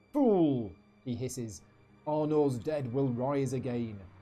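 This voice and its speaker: Putting on a menacing character voice at a medium pitch, a man speaks at a fairly slow pace, with hissing and faint music in the background. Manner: hissing, menacing.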